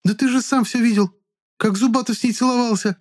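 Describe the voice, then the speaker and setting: Man doing a shrill hysterical young woman. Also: steady tone, a little fast. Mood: indignant. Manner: shrill, shouting, whiny.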